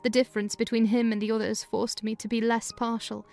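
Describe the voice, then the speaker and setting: A woman giving a dramatized first-person reading of a classic novel in measured, clear storytelling. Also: fairly high pitch, little pitch movement, a little mellow, soft background music. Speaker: reader of a novel.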